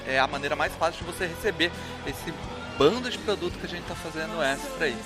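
A man's voice: a little high, fast. A Brazilian man hosting a casual live sports show. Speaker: host. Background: music.

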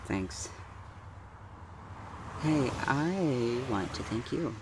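A woman's voice: a bass voice, expressive, extremely slow, noisy background, heavily acted. A woman playing an anxious, sincere young driver in an audio drama, speaking hesitantly and naturally. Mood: earnest, vulnerable. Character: earnest anxious young magical driver, college-bound.

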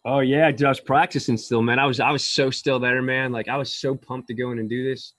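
A man's voice: mid-range voice, little pitch movement, brisk, fairly bright tone, no echo. A man, an actor being interviewed, talking casually and eagerly about his work, with frequent restarts and repeated words. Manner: enthusiastic, rambling with many restarts. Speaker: actor guest.

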